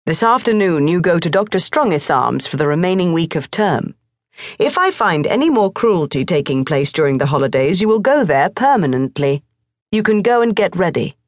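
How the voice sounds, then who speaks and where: A woman voicing a stern, calmly reasoning middle-aged father in a storybook reading. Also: lowish voice, dry recording. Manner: measured, stern. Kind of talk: audiobook character voice.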